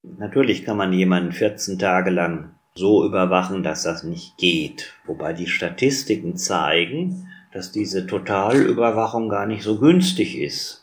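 A man with a very low voice talks through his points in an interview, loose and conversational, tossing in little tag questions. His voice carries a noticeable room echo around it. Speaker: patient advocacy board member. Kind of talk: interview answers. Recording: roomy echo.

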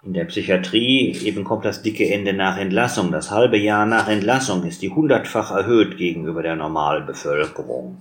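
A man with a very low voice talks through his points in an interview, loose and conversational, tossing in little tag questions. His voice carries a noticeable room echo around it. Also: moderate pace, few pauses. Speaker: patient advocacy board member. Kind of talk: interview answers. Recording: roomy echo.

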